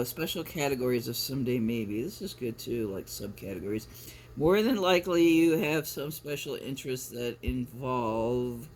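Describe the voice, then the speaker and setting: Clear ambient noise sits behind a man with a mid-pitched voice. He talks like a casual vlogger at home with the camera, rambling along and often breaking off to correct himself. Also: darkish tone. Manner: rambling, self-interrupting. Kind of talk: casual chatty vlog with some reading aloud.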